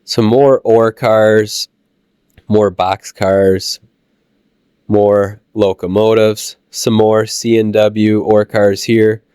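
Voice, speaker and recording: A low-voiced man with a Midwestern American accent talks his way through a train show, relaxed and halting with plenty of "uh"s. His voice is smooth and clear despite a lingering cold. It sits close and dry on the mic, with no room sound. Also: dry recording. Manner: relaxed, halting with many "uh" fillers. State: recovering from a cold. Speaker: channel host touring a train show. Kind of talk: casual walkthrough narration.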